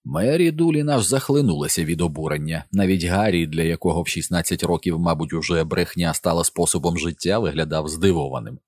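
Deep-voiced man reading an audiobook. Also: brisk, hardly any pauses, darkish tone, no echo. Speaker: audiobook narrator. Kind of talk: scripted narration.

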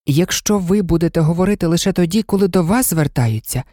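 A woman voicing Alice, an earnest and timid young girl who likes to argue, in a storybook reading, her voice pitched well above her own. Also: brisk, dark tone, no room sound, studio quality, natural voice. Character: polite, eager young girl.

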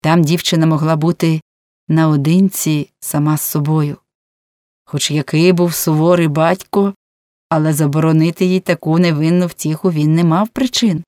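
A woman narrating a novel aloud as an audiobook reader, with expressive reading and pitch lifts on emphasized words. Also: moderate pace, no room sound, studio quality.

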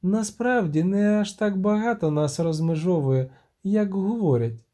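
Brief: soft bittersweet woman poet in a storybook, read by a man, lifted voice. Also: sits high, expressive, a little slow, voice pushed up. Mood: gentle. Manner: soft, slightly sung delivery.

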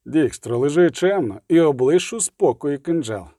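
A man's voice: fairly high pitch, lively intonation, moderate pace, dark tone, no room sound. A man voicing a grim middle-aged male witcher who speaks curt and dry.

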